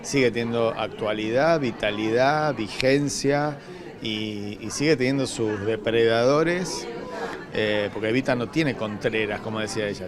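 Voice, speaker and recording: An Argentine man giving an interview answer in a halting, thoughtful manner, searching for his words. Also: medium pitch. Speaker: radio drama scriptwriter. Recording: crowd chatter behind, public event.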